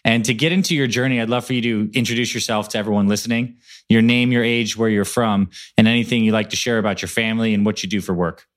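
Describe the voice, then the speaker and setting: A man's voice: on the low side, steady tone, fast. A man hosting a podcast interview, speaking in an upbeat, encouraging way. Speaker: podcast host. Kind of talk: interview with introduction.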